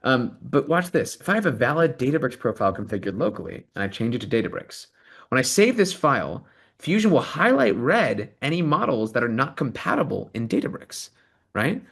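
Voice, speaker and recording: A man presents a software product over a video call, plainly excited and pausing often on ums. His voice rises and falls a lot as he talks. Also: medium pitch, gravelly, slightly rough. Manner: animated, enthusiastic, many ums and rights. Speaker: product manager giving a demo and host. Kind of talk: live software demo and interview.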